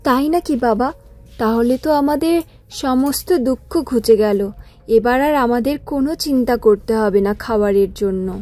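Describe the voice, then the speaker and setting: A woman's voice: a little high, moderate pace, dark tone, close to an everyday voice. A woman playing a caring young village daughter in a cartoon, tender and earnest. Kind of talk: cartoon story dialogue.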